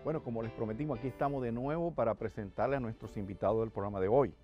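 A man's voice: mid-range voice, very fast, lo-fi sound, faint music behind. An older man hosting a Catholic TV talk show, earnest and welcoming, speaking on a lapel mic in a studio. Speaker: host. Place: TV studio set, seated in armchair.

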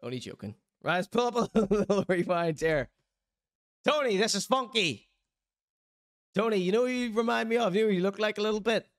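High-voiced streamer hyping. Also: male voice, expressive, fairly quick. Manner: playful hype-man banter, mock-serious critique. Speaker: streamer reacting to a music video. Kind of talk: live-stream commentary. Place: indoor streaming room.

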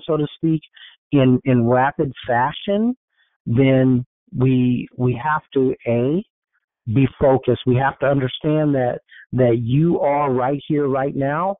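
A man talks loosely and informally on a group call, circling back with frequent fillers and restarts as he motivates his listeners. His voice sits at an ordinary middle pitch. The audio is thin and phone-like, with a dry, close sound. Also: no room sound. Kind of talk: casual motivational talk. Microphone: conference call line.

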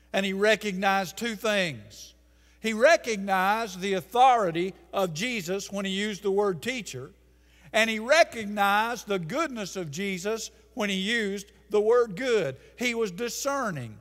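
An older man preaches in a church sanctuary, his voice pitched high for a man. He presses his points hard and slows down on the phrases he wants to land. The sound rings out with a long reverb from the room. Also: a bit bright. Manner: emphatic preaching, slowing for key phrases, gesturing at pulpit. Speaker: pastor. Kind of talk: sermon. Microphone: pulpit mic.

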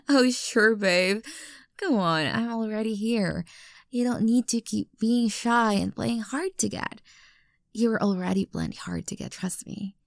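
A woman's voice: medium pitch, dry recording, studio quality. A woman playing an obsessive, unstable young stalker girlfriend in an intimate ASMR roleplay, sweet and menacing by turns. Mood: lovestruck, coy. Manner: breathy whispers, halting, swinging from coaxing to outbursts. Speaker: voice actor in audio roleplay.

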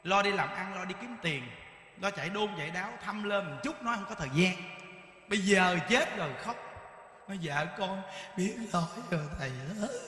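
Monk giving a dharma talk, high piercing voice, lots of echo. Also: male voice, fairly quick. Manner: animated storytelling, acts out dialogue, rhetorical questions. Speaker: Buddhist monk teacher.

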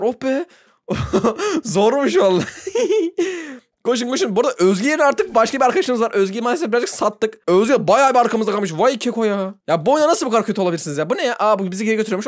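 Excitable young man narrating a game. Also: extremely high pitch, fast talker. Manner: excitable, laughs a lot, shrieks when surprised. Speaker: gaming YouTuber. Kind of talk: let's play commentary.

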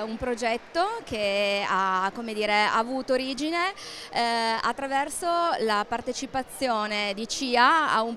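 A woman's voice: on the high side, fairly bright tone, a little hiss or hum. A young woman interviewed at a fair stand, hesitating and searching for words as she explains, speaking into a handheld mic. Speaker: interviewee, training manager. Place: indoor exhibition stand at a book fair.

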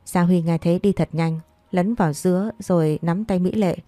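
Mellow woman narrating a romance audiobook. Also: fairly low pitch, normal speed, no echo, soft background music. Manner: steady storytelling.

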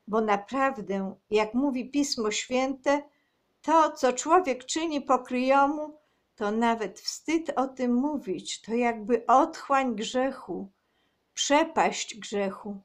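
A woman on her own channel reading a religious book aloud in a slow, measured, earnest way. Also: sits high.

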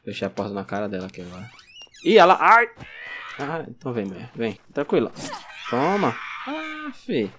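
A man's voice: mid-range voice, fairly quick, background noise. A man with a Brazilian accent giving casual gameplay commentary, yelping and scolding the zombies as he plays. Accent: Brazilian Portuguese. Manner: excitable, yelps and talks to zombies. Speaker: gameplay streamer.

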